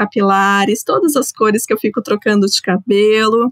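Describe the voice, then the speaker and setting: Talking at a moderate pace is a woman. Her sound is dry and close, free of echo. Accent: São Paulo countryside. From interior of São Paulo state, Brazil. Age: 30s. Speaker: trend analyst. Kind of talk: podcast conversation.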